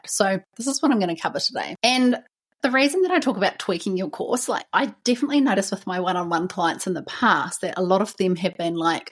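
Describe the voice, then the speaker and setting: New Zealand woman, low husky voice. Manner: chatty and encouraging, frequent "you know". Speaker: podcast host. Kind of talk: solo podcast talk.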